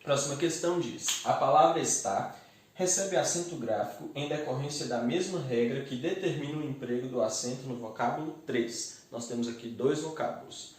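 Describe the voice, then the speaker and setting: A man teaching grammar step by step and slowly sounding out the syllables of each word. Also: mid-range voice, a little hiss or hum. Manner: methodical, spells out syllables slowly. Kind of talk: explaining grammar exercises. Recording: very echoey room, distant mic.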